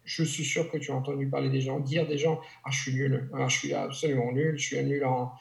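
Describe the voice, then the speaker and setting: A man's voice: medium pitch, flat delivery, brisk, gravelly. A man from Italy, speaking French as a language teacher in a conversational interview, hesitant with frequent restarts and fillers. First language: Italian. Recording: roomy echo.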